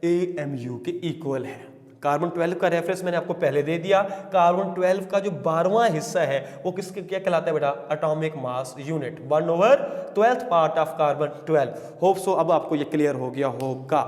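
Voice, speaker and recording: A male teacher giving a classroom lecture, calling his students "beta", asking questions and answering them himself, and dictating definitions slowly word by word. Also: a little high, a little mellow, long reverb tail.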